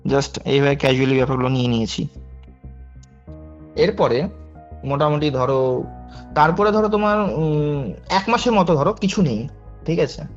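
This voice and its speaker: Young man, twenties, chatty caller who keeps checking in, slightly high voice, soft music underneath. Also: normal speed, long pauses, lo-fi sound. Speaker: caller sharing a true ghost story. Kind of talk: casual storytelling on a call.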